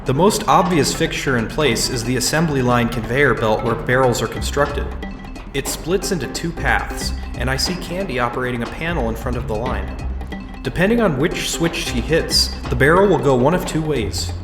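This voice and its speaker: A man's voice: medium pitch, animated, normal speed, lightly acted. Dry male-acted narrator over music, roomy sound. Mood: observant. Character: observant, wry male visitor narrating his own tour. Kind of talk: fan audio drama, first-person narration.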